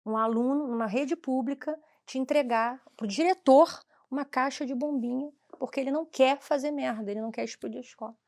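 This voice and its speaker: A woman's voice: high-pitched, brisk, hardly any pauses, darkish tone. A woman with a Brazilian Portuguese accent, a former school principal, telling a story in conversation and acting out the dialogue with shifting voices.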